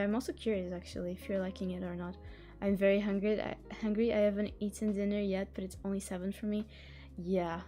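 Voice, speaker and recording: A non-native English-speaking woman hosting a relaxed livestream. Her voice is mellow and warm, she giggles often, and she trips over longer words as she reads aloud. Soft music plays faintly behind her. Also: medium pitch. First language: not English. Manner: chatty, giggly, stumbles over words while reading. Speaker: livestream host. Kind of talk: casual livestream chat, reading a book blurb aloud.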